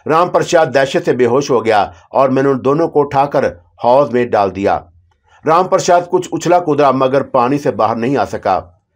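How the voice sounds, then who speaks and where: Give me a man narrating a first-person horror tale in a steady, dramatic reading voice at an ordinary middle pitch. He keeps the storytelling even and carries the suspense through the narration itself. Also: moderate pace.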